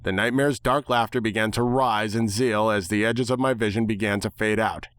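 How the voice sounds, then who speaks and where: A man's voice: on the low side, steady tone, moderate pace, fairly bright tone, clean tone, no room sound, clean studio sound. A man giving a dramatic first-person reading of a story as its narrator. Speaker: narrator of fan fiction.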